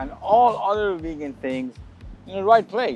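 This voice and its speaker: The sound is dry with no echo, and faint music plays in the background. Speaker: channel co-host. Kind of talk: casual vlog intro. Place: beach.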